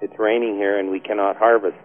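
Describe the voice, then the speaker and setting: A Canadian man calls in to a webcast for a casual chat, his lowish voice coming through a tinny phone line. He talks a little fast with little pitch movement, sounding hesitant and laughing often.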